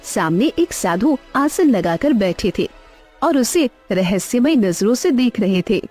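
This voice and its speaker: A woman narrating a cartoon story in an expressive, dramatic way. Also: fairly high pitch, a little slow, faint music behind.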